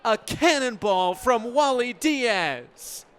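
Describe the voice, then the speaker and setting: A man's voice: very high-pitched, animated, takes it slowly, fairly bright tone, smooth. A young American man calling live sports as a radio play-by-play broadcaster. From United States. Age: young adult. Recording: live game broadcast, crowd noise behind. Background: crowd and game noise.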